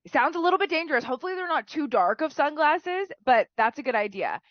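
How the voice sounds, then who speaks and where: A woman's voice: sits high, animated, quick pace, no echo, highs cut off. Sick, nasal woman teacher. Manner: chatty, peppered with "right?" and "like". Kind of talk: classroom writing feedback.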